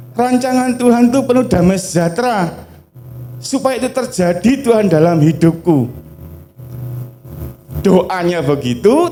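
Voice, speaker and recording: A man with a Javanese accent preaching a lively, joking sermon. His voice sits high and swings widely in pitch, yet it has a mellow, dark tone. He mixes local words and playful asides into his preaching. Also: slight background noise. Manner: animated and humorous, acts out quoted prayers. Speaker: pastor.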